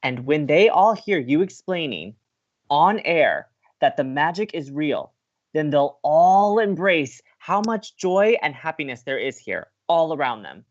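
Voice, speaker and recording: An actor playing an earnest, dreamy and determined young college radio co-host in an audio drama. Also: male voice, fairly high pitch, big pitch swings, measured pace, muffled recording. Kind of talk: naturalistic audio drama acting.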